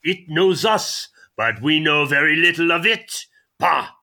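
A man's voice: a little high, expressive, unhurried, sharp tone, exaggerated voice. A man playing a gloomy, haughty French existentialist with a French accent in a radio comedy sketch. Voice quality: haughty, sardonic.

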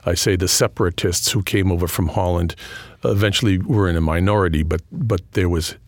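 Deep-voiced New England professor. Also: male voice, fairly even intonation, no room sound. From New England, just outside Boston. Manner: thoughtful, measured, many fillers and restarts. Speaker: history professor and author, guest. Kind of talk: interview.

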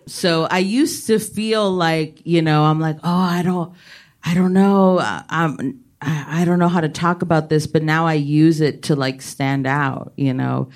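South texas lady comic chatting on a panel, smooth clear voice, laughs a lot. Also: low voice, fairly even intonation, unhurried. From Laredo, Texas. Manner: chatty, laughing between thoughts. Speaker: stand-up comedian on a panel. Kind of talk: casual panel conversation.

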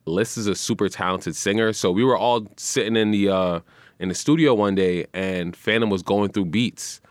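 Speaking at a normal pace, this deep-voiced young man sounds easygoing as he guests on a radio show, and the recording is echo-free. A musician and radio personality himself, he keeps the interview chat relaxed, sprinkling in "you know" and "man" a lot.

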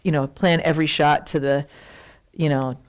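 A woman, a documentary filmmaker, talking in a casual conversation, animated and peppered with "like". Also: deep voice, normal speed.

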